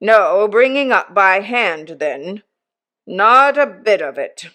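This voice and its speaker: A pompous, self-satisfied old uncle, put on by a woman reading a novel aloud. He speaks slowly and emphatically, as if every remark were a moral lesson. His voice sits a little higher and louder than the narrator's own. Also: lively intonation. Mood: pompous lecturing. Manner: slow, emphatic, lecturing.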